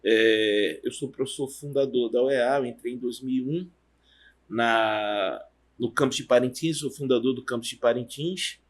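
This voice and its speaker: Husky-voiced Amazonian professor, halting. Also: male voice, mid-range voice. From Amazonas, Brazil. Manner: rambling, halting storytelling with restarts. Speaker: university professor, guest. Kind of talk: relaxed career interview.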